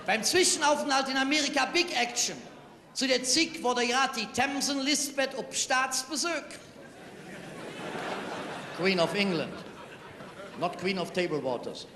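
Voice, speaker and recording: A man with a Cologne accent doing a carnival stage routine, telling tall-tale travel stories with quick punchlines. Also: very high voice, background noise. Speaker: carnival comedian. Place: large carnival hall stage. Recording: echoey hall with long reverb.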